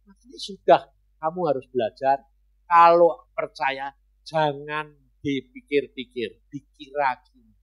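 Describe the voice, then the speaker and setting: A middle-aged man, an evangelist telling a personal testimony in a sermon, chatty and given to sudden loud bursts. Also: on the high side, steady tone, measured pace. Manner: conversational storytelling with sudden jumps in loudness. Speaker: evangelist preacher.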